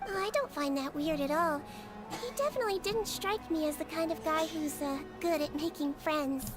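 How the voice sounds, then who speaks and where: A woman voicing a small, gentle, perceptive girl-like creature in a video game, earnest and matter-of-fact. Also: high voice, normal speed, music in the background, natural voice.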